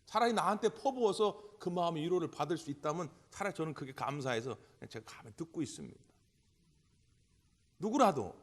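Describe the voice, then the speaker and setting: A male pastor delivering a Sunday sermon, full of rhetorical questions, swinging between loud bursts and quiet passages. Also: a little high. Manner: impassioned, with rhetorical questions and big swings in loudness. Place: church sanctuary. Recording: long church hall reverb.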